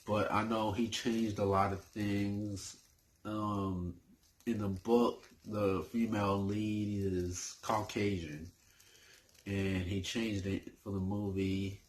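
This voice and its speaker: Slow-talking man, hesitant movie chat. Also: lowish voice. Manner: hesitant, full of fillers and restarts. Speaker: movie review YouTuber. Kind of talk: casual movie talk.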